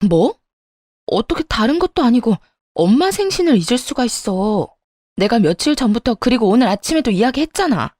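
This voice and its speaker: A woman's voice: a little high, very animated, normal speed, a little mellow, dry recording, clean studio sound. A woman acting a worn-out, indignant wife. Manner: pleading then sharply indignant. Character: exhausted, indignant wife, an ER worker in her 30s.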